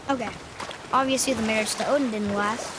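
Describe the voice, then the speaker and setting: A man's voice: sits high, fairly even intonation, a little fast, very noisy, lightly acted. A young male actor voicing a curious, plain-spoken boy as a video game character. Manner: inquisitive, plain-spoken, youthful. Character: curious, outspoken young boy travelling with his elders.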